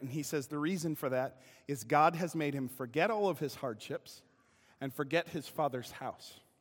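Over a very clean recording with a silent background, a plain, everyday voice with an American accent keeps a moderate pace and ordinary pitch variation. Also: man. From Kenosha, Wisconsin (US Midwest). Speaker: pastor. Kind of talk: sermon.

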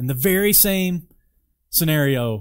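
Speaking fairly slowly with an American accent and ordinary pitch variation, a man comes through on a very clean recording with a silent background. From US, Virginia. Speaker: pastor. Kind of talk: sermon.

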